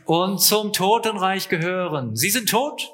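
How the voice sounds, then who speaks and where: Bright-voiced male interpreter. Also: high voice, animated, soft background music. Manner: quick, matter-of-fact rendering with filler sounds. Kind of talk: live consecutive interpreting.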